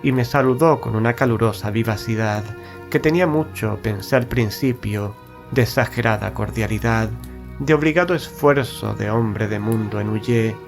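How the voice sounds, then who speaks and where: A man narrating a Gothic horror tale in a solemn, measured, literary style. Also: fairly low pitch, creaky. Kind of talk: scripted horror audiobook narration. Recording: prominent music bed under narration. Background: music.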